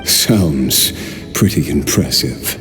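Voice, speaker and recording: A slow, deep-voiced weary immortal warrior. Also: male voice, lively intonation, heavily acted. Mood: wry, resolute. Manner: slow, reflective, halting with sighs and soft chuckles. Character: weary immortal male warrior, wistful, humbled, stubbornly striving. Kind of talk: dramatic video game dialogue. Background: game music.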